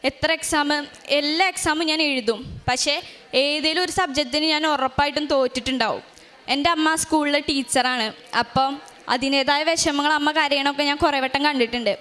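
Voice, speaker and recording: A teenage girl giving an emotional personal testimony at a shrine, halting with frequent restarts and fillers. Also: high-pitched, fairly even intonation, a bit bright. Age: teens. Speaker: testimony giver. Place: shrine stage.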